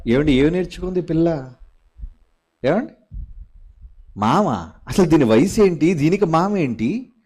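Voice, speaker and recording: A man's voice: fairly high pitch, lively intonation, unhurried, pauses often, a little mellow, husky. A man preaching a sermon in a scolding tone, firing off rhetorical questions at his listeners.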